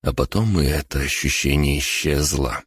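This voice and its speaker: A man reading a story aloud in a measured, first-person narration. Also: rumbling low, breathy edge, dry recording, clean studio sound. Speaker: audiobook narrator.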